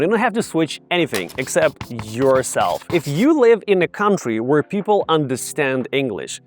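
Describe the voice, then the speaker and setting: A man from Ukraine with a Ukrainian accent, casually teaching viewers to camera in an upbeat, direct way. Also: fairly high pitch. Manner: upbeat, direct, addresses viewers as "you guys". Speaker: English tutor.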